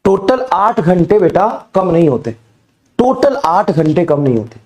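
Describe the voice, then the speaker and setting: A male teacher talks a recorded class through a fever. His somewhat high voice is soft and mellow, and it keeps cracking. He speaks with low energy, repeats points, and coaxes students with rhetorical questions. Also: very animated, measured pace. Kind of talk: recorded online class lecture.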